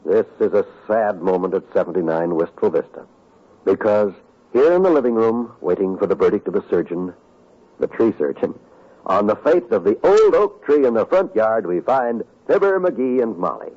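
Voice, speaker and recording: A man announcing a vintage radio comedy in a formal, booming style. His husky voice swings widely in pitch. It comes through muffled, like an old broadcast. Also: big pitch swings, moderate pace.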